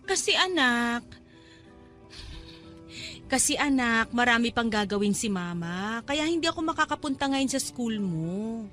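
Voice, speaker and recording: A high-pitched Filipino mother in a radio drama. She is struggling and evasive, coaxing her child in hesitant phrases over soft background music. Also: expressive, unhurried, pauses often. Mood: coaxing, uneasy. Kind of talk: Tagalog radio drama acting.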